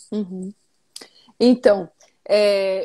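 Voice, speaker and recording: Fairly high-pitched speech from a woman, with ordinary variation in pitch. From Brazil, Alagoas (Northeast). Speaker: yoga teacher. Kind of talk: interview, live video chat. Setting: live video call. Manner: halting, many repetitions.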